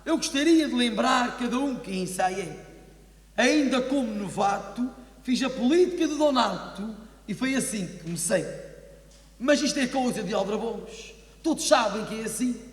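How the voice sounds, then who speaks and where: A man declaims a rhymed comic stage monologue with theatrical flair. His voice is very high and a bit bright, captured in an echoey hall with long reverb.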